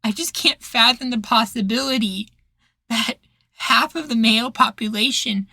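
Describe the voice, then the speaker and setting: A man acting a troubled, self-doubting rebel leader with a hushed, halting delivery in an ASMR roleplay. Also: extremely high pitch, vocal fry, no room sound, studio quality, heavily acted. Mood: desperate.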